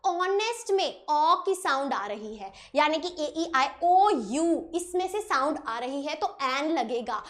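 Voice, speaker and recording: A woman from India teaching an online grammar lesson, often checking that students follow and praising them, and reading example sentences out slowly. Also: sits high, expressive.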